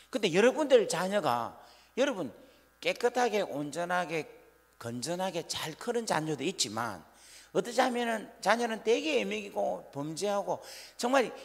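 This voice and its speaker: The high, creaky voice of a pastor rings out in a church sanctuary with long hall reverb as he preaches revival. He puts questions to the congregation and acts out parents scolding their children.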